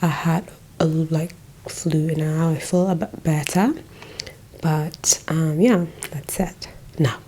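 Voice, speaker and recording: A young South African woman with a South African accent, whispering an ASMR lesson as she recovers from flu, softly repeating words into a close mic. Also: low voice, a little hiss or hum, rough recording. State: recovering from flu, a little hoarse. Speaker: ASMR creator. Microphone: close microphone.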